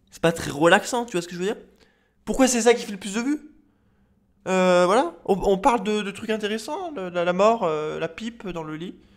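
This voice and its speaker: A high-pitched man's voice with ordinary pitch variation and big swings in loudness. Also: moderate pace. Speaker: ASMR youtuber. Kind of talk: rant. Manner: normal voice, not whispering.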